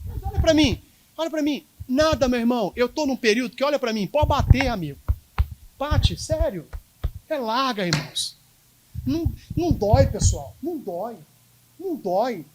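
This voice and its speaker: A man's voice: very high voice, expressive, normal speed, a little hiss or hum. A male pastor with a Minas Gerais accent preaching a sermon, emphatic and repetitive, speaking straight to the congregation. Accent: Minas Gerais Brazilian Portuguese. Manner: emphatic, addresses congregation directly, repeats himself.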